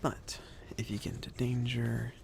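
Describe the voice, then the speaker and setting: A man playing a chill, considerate mage in an ASMR fantasy roleplay, speaking softly in a casual, hesitant, reassuring way. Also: medium pitch, level tone, normal speed, gravelly, noisy background, lightly acted. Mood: calm, instructive. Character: chill, considerate mage sending an apprentice on errands.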